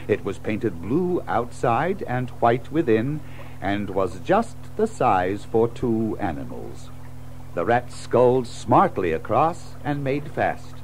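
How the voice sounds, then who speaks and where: A man narrates a children's story in a dramatic storybook style. His voice sits at a middle pitch and moves with very lively intonation. There is faint noise behind him. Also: poor audio.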